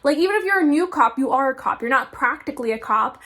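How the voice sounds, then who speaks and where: A woman's voice: sits high, expressive, quick pace, fairly bright tone. A young woman giving a casual, spoiler-filled plot summary of a novel, chatty, with exasperated asides. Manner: chatty, exasperated asides, acts out characters' quotes. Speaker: book reviewer.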